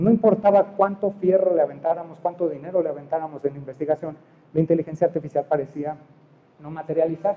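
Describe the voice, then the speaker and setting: A man's very fast, high-pitched delivery with a Mexican accent and fairly even intonation. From Mexico. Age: 50s. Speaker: technology executive; conference presenter. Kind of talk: conference talk. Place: hall.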